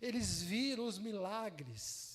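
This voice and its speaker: A man with a Brazilian Portuguese accent preaching a sermon in lively, colloquial storytelling that acts out the scenes. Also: high-pitched, slow pace. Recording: echoey hall reverb.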